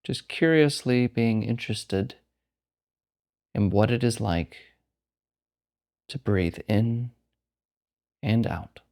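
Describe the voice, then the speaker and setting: Male meditation teacher, lower-pitched voice, calm unhurried delivery with generous silences. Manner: calm, unhurried, with long pauses. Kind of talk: guided meditation narration.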